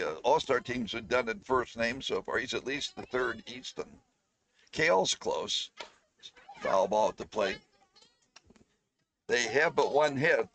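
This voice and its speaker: A man doing relaxed play-by-play commentary on a youth baseball game, trading jokes with his co-host. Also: mid-range voice, a little hiss or hum. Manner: relaxed, joking banter with co-host. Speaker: play-by-play announcer.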